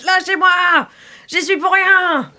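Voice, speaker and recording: A woman's voice: very high-pitched, fairly even intonation, slow pace, sharp tone, pitched above the performer's own voice, exaggerated voice. Woman doing a shifty fiftyish apothecary lady, panicky, pleading, warning people off, improv audio rpg. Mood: panicked.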